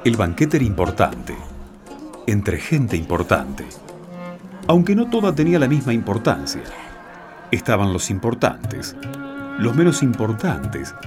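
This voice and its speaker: A man narrating a scripted religious radio play in a measured storytelling manner. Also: on the low side. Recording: clear music bed behind the voice.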